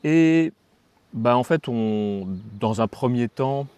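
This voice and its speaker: A man's voice: mid-range voice, takes it slowly, darkish tone, clean tone, no echo, highs cut off. A man with an accent from France, telling personal stories in a casual, conversational way as a vlogger. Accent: French from France. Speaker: vlogger telling a life story with partner. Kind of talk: casual storytelling chat.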